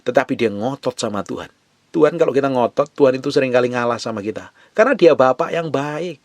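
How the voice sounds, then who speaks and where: Impassioned pastor preaching up close. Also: male voice, medium pitch, fast talker, no echo. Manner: swings from loud urgent exhortation to soft hushed pleading. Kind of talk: sermon.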